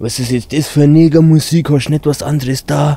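A man at a fairly quick pace, in a dry sound with no echo. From Bavaria. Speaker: rapper. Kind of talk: interview answer. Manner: casual, relaxed. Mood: relaxed, animated, joking. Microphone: handheld.

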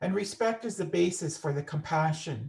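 Somewhat breathy, a woman talks at a fairly slow pace against a quiet background. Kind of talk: address to a webinar audience. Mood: calm, earnest, measured. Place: home room. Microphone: video call.

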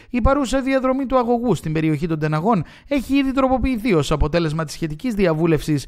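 A man speaks at a fairly quick pace and a high pitch. His pitch swings very widely. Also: hardly any pauses. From Greece, Soufli in Thrace. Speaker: company director. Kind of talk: interview statement. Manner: formal.

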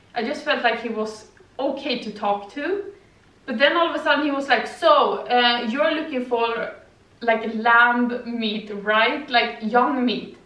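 With audible room echo, a woman speaks in a high voice at a fairly slow pace. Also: ordinary pitch variation. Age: 20s. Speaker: YouTuber. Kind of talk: casual vlog monologue. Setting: at home doing yoga on camera. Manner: rambling; laughs often. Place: home room. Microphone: camera far.

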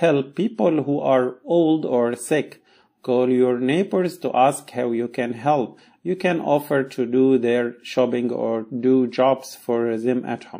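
With an Egyptian accent, a man talks at a fairly slow pace, with hardly any pauses. His voice is medium pitched with a dark, mellow tone and ordinary pitch variation. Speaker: English teacher. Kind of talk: lesson explanation. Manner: explanatory, bilingual Arabic-English.

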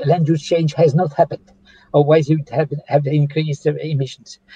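A man's high-pitched voice with a French accent and a dark, mellow tone, dry with no echo, over a quiet background. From France. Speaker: agricultural scientist; webinar speaker. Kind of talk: lecture. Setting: video call. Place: home room. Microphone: video call.

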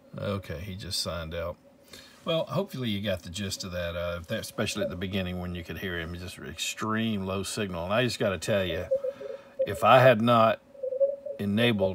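At a moderate pace, a man with a fairly low pitch and ordinary pitch variation talks in a dry sound with no echo, against loud background noise. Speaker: ham radio operator. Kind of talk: casual tutorial. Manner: informal, conversational. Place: home room. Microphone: phone near.

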